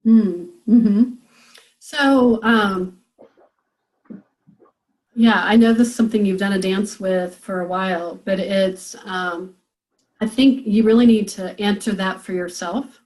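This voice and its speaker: A woman's voice: mid-range voice, steady tone, slow pace, long pauses, a little mellow, low-quality recording. A woman business coach leading a group coaching call, encouraging and thinking aloud with frequent fillers.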